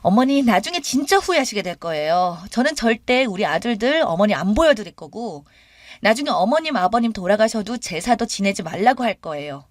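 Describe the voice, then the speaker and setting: A woman's voice: mid-range voice, big pitch swings, brisk, no room sound, clean studio sound, close to an everyday voice. A woman voicing a young, demanding daughter-in-law who talks in a pushy, complaining way. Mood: indignant.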